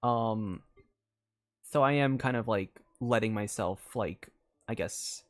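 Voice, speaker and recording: With a fairly low voice and a slow pace, a man chats on a gaming live stream while video game music plays. He wanders from thought to thought, distracted and talking things through aloud.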